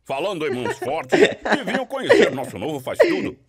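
A man's voice: high voice, wildly swooping pitch, brisk, heavily acted. A man voicing a tough, hearty middle-aged farmer demon in a cartoon fan dub, folksy and macho, with a Brazilian accent. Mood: hearty bravado. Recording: loud music behind the voice.

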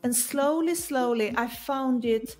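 Her voice sits high, slow and a little mellow as this Swedish-accented woman, a middle-aged coach from Sweden, shares her story as an interview guest. The video call takes place indoors in a room at her home, and her tone is conversational.

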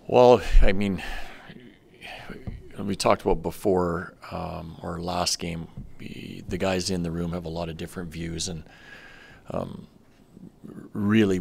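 Low gravelly middle-aged man, measured. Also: a little mellow. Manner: measured, matter-of-fact, with frequent ums. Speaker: hockey head coach. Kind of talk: post-game press conference answers. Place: press room in front of a sponsor backdrop. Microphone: table microphone on a stand.

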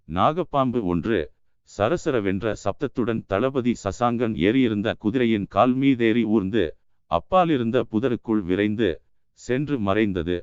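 A man reading a historical novel aloud in a measured storytelling manner, recorded dry and a little dull. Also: fairly low pitch, darkish tone, clean tone, no room sound. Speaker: audiobook narrator. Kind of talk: scripted narration of a historical novel.

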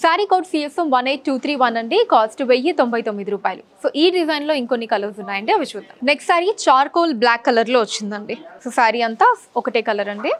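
A woman's voice: on the high side, lively intonation, quick pace, hardly any pauses. A young woman presenting sarees in a showroom, politely listing colors, designs and prices. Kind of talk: product showcase. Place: large saree showroom, indoors.

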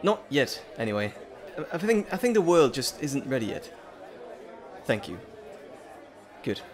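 A man's voice: medium pitch, very animated, unhurried, a faint crowd. A man playing an earnest, nervous scientist and professor in an audio drama, with hesitant, stammering, wordy and formal speech. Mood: confiding, earnest. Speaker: voice actor. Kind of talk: dramatic roleplay audio acting.

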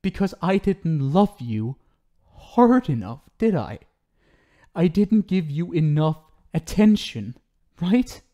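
An unhinged, lovesick male talk show host, acted by a man for an ASMR roleplay. His voice sits on the higher side and he draws his words out very slowly. He coos theatrically, syrupy and menacing, swinging between sweetness and pleading. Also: very animated, dark tone. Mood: desperate, pleading. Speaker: audio roleplay performer.

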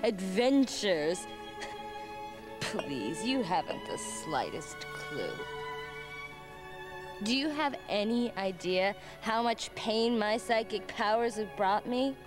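An actress playing a scornful, wounded young gypsy psychic in a dramatic video game cutscene. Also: female voice, medium pitch, sing-song, slow pace. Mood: scornful, bitter. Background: music.

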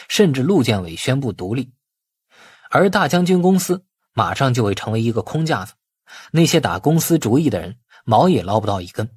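Animated male audiobook narrator, slightly husky. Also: mid-range voice, dry recording, studio quality. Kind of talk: scripted novel narration.

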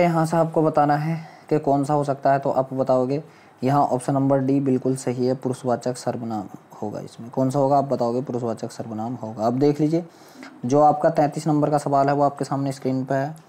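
Male tutor, dark soft-edged tone, walks through test questions didactically, posing and answering them himself. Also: a little high. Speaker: exam coaching teacher. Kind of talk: explanatory test-prep lesson, question by question. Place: voice-over on a screen recording.

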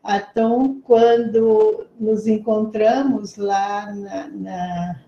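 A woman organizer giving slow, hesitant, complimentary closing remarks at an online lecture over a video call. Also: mid-range voice, fairly even intonation, warm tone, roomy sound, lo-fi sound. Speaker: event organizer.

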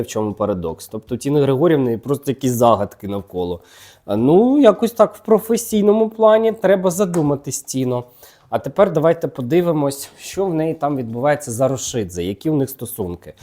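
A man's voice: medium pitch, a little mellow. A man hosting a gossip channel, chatting casually and teasingly while reading tarot cards and talking straight to the people he gossips about. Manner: chatty and teasing, talks directly to celebrities.

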